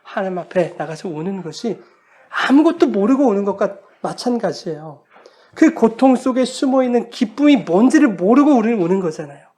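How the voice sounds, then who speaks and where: A male pastor preaching a sermon with earnest feeling. He often turns to the congregation and swings between loud lines and hushed ones. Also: high voice.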